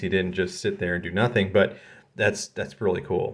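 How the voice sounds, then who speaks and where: A man races along at a very fast pace, his fairly low voice carrying an American accent. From Northern California. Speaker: YouTuber / BMX enthusiast. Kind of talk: casual commentary. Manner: animated.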